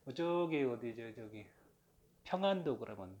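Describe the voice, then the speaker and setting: This is a man giving a relaxed, meandering lecture on his own channel. He talks in a mid-range voice, drifts between points with plenty of filler words, and throws in jokey asides. A faint background hiss runs beneath him. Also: medium pitch, unhurried, dull audio. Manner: rambling and chatty, with many fillers and self-aware jokes; playfully mimics regional dialects. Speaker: channel host talking about folk religion. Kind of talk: casual lecture monologue.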